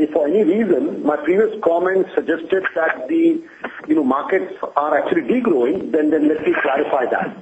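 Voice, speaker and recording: Higher-pitched man on a roomy conference line. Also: narrow, tinny audio, background noise. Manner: measured, explanatory, reassuring. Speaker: company executive answering analysts. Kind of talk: earnings call answers. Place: conference call.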